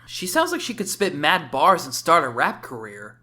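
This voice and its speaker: A woman's voice: low-pitched, huge pitch swings, moderate pace, bright, forceful tone. A woman giving casual, sarcastic reaction commentary as a video game reviewer, often exclamatory. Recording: voice-over with faint game music.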